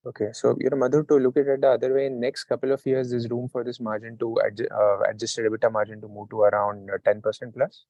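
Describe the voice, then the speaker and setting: A man's voice: medium pitch, little pitch movement, fast talker, hardly any pauses, dark tone, dry recording, lo-fi sound. A man calling in as a financial analyst, putting questions on an earnings call.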